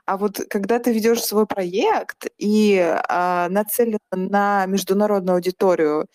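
A woman's voice: medium pitch, fairly even intonation, a little slow, darkish tone, dry recording. Attentive woman host, dry sound. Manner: attentive, frequent listening murmurs. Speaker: podcast host. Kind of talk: casual interview conversation.

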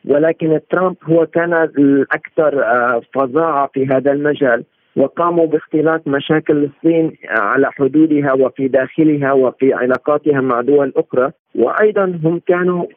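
A male analyst giving interview commentary in formal Standard Arabic, explaining at length and sometimes correcting himself haltingly. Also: on the high side, no echo. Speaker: political and economic analyst, interview guest. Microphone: remote phone-like connection. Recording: tinny narrowband phone-like line.

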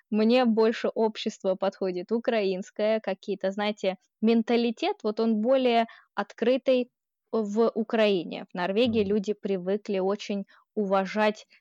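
A woman's voice: mid-range voice, no room sound, lo-fi sound. A woman from Ukraine with a Ukrainian accent, chatting as a guest and laughing often as she talks. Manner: laughs often while speaking, warm and chatty. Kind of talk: casual conversational interview.

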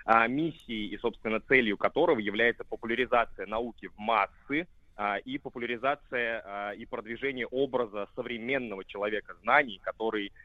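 A man's voice: medium pitch, a little fast, no echo. A man speaking as a guest by phone, fluent and eager, with many filler sounds. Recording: phone line.

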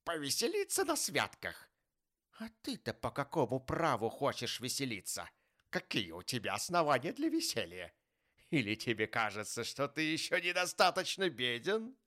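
A man's voice: mid-range voice, huge pitch swings, moderate pace, fairly bright tone, voice pushed up. A man reading an audiobook voices a grumpy, stingy old miser who talks in a scornful, harsh, snapping way.

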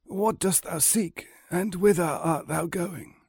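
A man's voice: high voice, slow pace, gravelly, a little mellow, slightly rough, no echo, clean studio sound, voice pushed up, heavily acted. A man voicing a kindly, sorrowful and wise old man in a fairy tale. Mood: greeting. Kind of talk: storybook character voice.

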